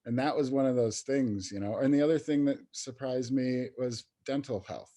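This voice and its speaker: A man with a medium-pitched, dark voice speaks at normal speed as a podcast interview guest. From New York State, he is an adult in recovery, a peer professional and youth recovery program coordinator, and his talk is relaxed yet hesitant, packed with fillers and restarts.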